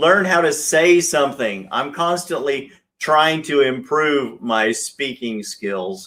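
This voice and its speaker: A man with an American accent, a fairly high pitch, a bright, sharp tone, lively intonation and a very slow pace. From Oregon coast, US. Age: 50s. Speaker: motivational show host and realtor. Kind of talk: motivational talk. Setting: live stream. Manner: casual, with hesitations.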